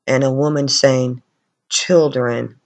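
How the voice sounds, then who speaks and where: A man's voice: mid-range voice, fairly even intonation, slow pace. A man commenting on recordings of spirit voices as a paranormal investigator.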